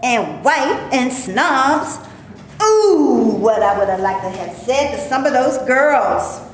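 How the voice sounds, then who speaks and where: A woman playing a sharp-tongued, scornful black actress in a staged reading before a live audience, in a very echoey room with faint noise. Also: high-pitched, big pitch swings, takes it slowly, heavily acted.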